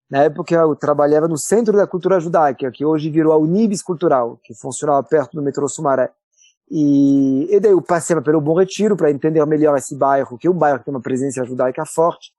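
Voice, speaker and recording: A man's voice: fairly high pitch, dark tone, no room sound. A man from France speaking with a French accent, a podcast guest who explains things thoughtfully with frequent hesitations. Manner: thoughtful, many filler "ah" hesitations. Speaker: guest, cultural center director. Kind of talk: podcast interview.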